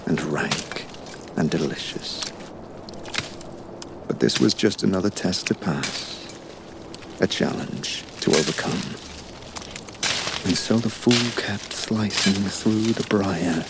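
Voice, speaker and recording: A man playing a silky, sinister storyteller, narrating a hypnotic dark fairy tale with theatrical, lingering words. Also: lowish voice, noisy background. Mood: scornful, ominous. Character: sinister, silky storyteller lulling a traveler to sleep. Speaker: bedtime storyteller.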